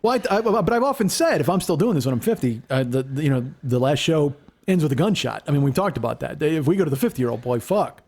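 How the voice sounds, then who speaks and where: A man in his forties hosting a podcast, telling stories in a casual, profane, animated way. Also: fairly high pitch, quick pace. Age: 40s. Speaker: podcast host. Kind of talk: casual chat.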